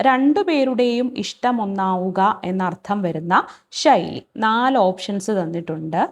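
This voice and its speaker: A woman teaching as an exam-prep tutor. She reads each question, then repeats the answer several times. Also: mid-range voice.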